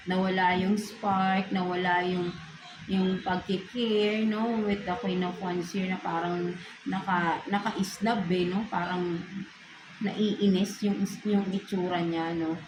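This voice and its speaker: A woman's voice: lowish voice, roomy sound, noisy background. A woman with a Filipino accent giving a casual tarot reading, tagging nearly every phrase with a questioning "no?". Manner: mixes English into Filipino, ends phrases with a questioning "no?". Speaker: tarot reader.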